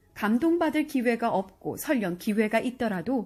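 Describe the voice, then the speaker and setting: With music in the background, the speaker moves at a fairly slow pace with lively intonation. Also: woman. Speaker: announcer. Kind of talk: audiobook reading of an essay.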